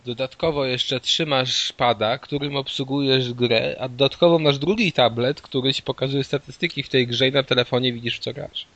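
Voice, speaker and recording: A man's voice: medium pitch, steady tone, normal speed, hardly any pauses, a bit bright, no echo. A man chatting with friends over game trailers, easygoing and a bit sweary. His voice sits close and dry, with a slightly dull, muffled sound. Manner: casual, sweary, joking. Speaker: gaming commentator. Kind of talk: casual chat watching game trailers.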